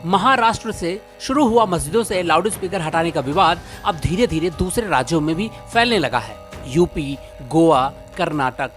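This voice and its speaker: News explainer presenter, Indian accent, medium pitch, reads from script over a music bed. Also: a bit bright. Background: background music.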